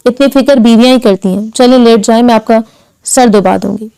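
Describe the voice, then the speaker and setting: Brief: caring young wife, gentle but firm, a woman reads her, smooth mellow tone. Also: on the high side, a little fast, close to an everyday voice. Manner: soft, insistent.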